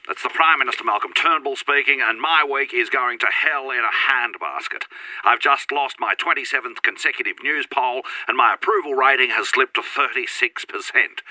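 A man's voice: medium pitch, bright, forceful tone, dry recording, rough recording. A man voicing a self-important, beleaguered Australian politician, formal and dramatic, recording a comedy voicemail greeting.

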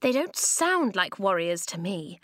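A woman's voice: mid-range voice, very animated, measured pace, a bit bright, dry recording, studio quality. A woman voicing a hostile young girl who speaks in a frosty, clipped, hateful tone. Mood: cold.

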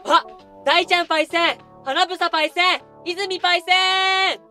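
A woman's voice: very high voice, steady tone, moderate pace, sharp tone. A woman playing a casual, cheeky teenage-sounding boy idol who talks in slang to older bandmates. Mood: cheerful. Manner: casual junior-to-senior slang. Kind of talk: anime-style voice drama acting. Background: music.

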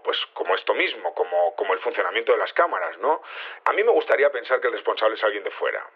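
Audio-drama security chief on a tinny call: deep-ish, Castilian, measured, halting explainer. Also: male voice. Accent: Castilian Spanish. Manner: hesitant, explanatory, repeats words. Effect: phone line. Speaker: security team investigator interviewed by phone. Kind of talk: naturalistic audio drama interview. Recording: thin narrow phone line.

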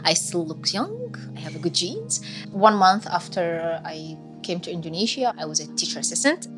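A woman, a refugee teacher giving candid, heartfelt testimony in slightly halting English. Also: fairly low pitch, big pitch swings. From Sudan. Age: 30s. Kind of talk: personal testimony. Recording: music playing behind.

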